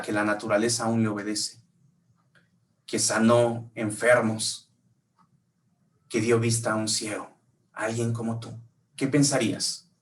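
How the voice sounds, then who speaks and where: Preacher, heard from afar. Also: male voice, fairly low pitch, fairly bright tone, recorded from a distance. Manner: storytelling, asks the listeners questions. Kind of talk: sermon. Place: church.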